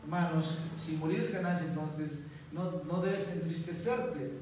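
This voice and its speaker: Male pastor, slightly high voice, earnest sermon delivery, very reverberant church, heard from a distance. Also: fairly even intonation, measured pace, darkish tone, a little hiss or hum. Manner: earnest, repeatedly addresses listeners as brothers, with thinking fillers. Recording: very echoey church hall, voice from far off.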